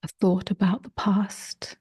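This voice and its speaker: A woman leading a guided meditation, speaking softly in short phrases with long pauses, gentle and often close to a whisper. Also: mid-range voice, little pitch movement. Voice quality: soft, breathy, husky, often near a whisper. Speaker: meditation teacher.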